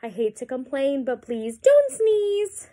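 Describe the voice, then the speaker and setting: A woman's voice: sits high, big pitch swings, slow pace, dark tone, full character voice. Woman doing a fretful pleading buffalo. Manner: rhyming, pleading.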